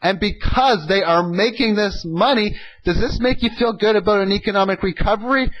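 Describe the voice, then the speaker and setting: A man hosts an informal audio commentary. He speaks emphatically and with clear opinions. He often sets up rhetorical questions and then answers them himself. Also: sits high, a little fast, lo-fi sound. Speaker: host of an economic audio log.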